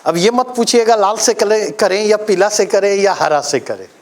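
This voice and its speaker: Male coaching teacher, high lively voice, emphatic lecture to a class. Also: moderate pace. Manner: emphatic, asks the class questions.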